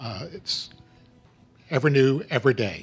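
This man's voice is somewhat breathy. He talks at a fairly slow pace. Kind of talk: scripture reading and prayer. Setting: church.

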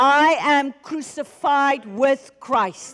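In a South African accent, a woman speaks. Her pitch is high. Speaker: visiting preacher. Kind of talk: sermon. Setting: church.

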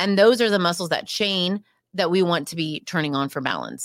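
A woman speaks in an ordinary speaking voice at a medium pitch and moderate pace, with lively intonation, on a very clean recording with a silent background. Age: 40s. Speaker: yoga and Pilates instructor. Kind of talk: interview.

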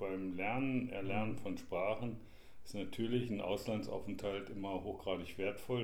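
A man speaks with a fairly low pitch and fairly even intonation. His pace is fairly slow, and there is audible room echo. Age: 60s. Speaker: language teacher. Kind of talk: interview. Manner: hesitant with fillers.

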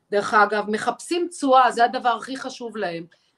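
At a moderate pace, the speech moves with lively intonation. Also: woman. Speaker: real estate agent. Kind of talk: interview.

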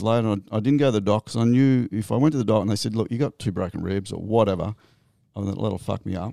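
A man with an Australian accent at medium pitch, a dark, mellow tone, ordinary pitch variation and a very fast pace, in a dry, close sound with no echo. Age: 50s. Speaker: retired para powerlifter. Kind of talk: casual interview chat. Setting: studio in a gym.

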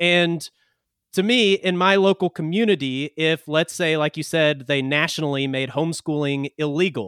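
This is an unremarkable speaking voice at a moderate pace, with ordinary pitch variation. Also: man, fairly high pitch for a man. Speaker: podcast host. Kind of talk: casual interview conversation.

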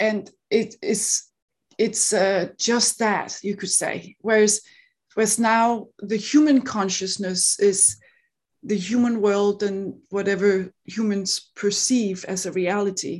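Speaking very slowly, a woman uses a medium pitch and fairly even intonation. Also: quiet background. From Denmark. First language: Danish. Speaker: online summit host and interviewer. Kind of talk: interview. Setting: video call.

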